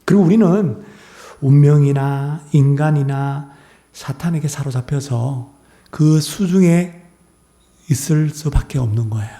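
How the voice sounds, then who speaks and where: Male pastor, fairly high mellow voice, animated preaching with acted dialogue. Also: a little slow. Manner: asks the congregation questions and answers them. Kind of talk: sermon.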